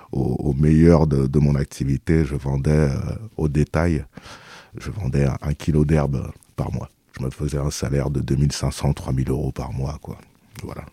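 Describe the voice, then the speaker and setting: Fairly slow, fairly even delivery in a dark, mellow tone with vocal fry and long, frequent pauses. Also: man, very deep, low pitch for a man. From Île-de-France, France. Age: 30s. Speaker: former cannabis dealer. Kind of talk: interview testimony.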